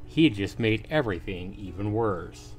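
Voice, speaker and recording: A man's voice: lowish voice, expressive, moderate pace. A man hosting a livestream, reading a visual novel aloud as a narrator with casual asides. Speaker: livestream host. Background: faint music.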